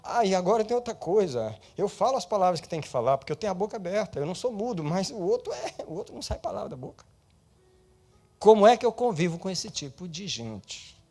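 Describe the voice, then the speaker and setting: A male pastor preaching an animated sermon, swinging between loud and soft and slipping English words into his speech. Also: high voice, fast talker.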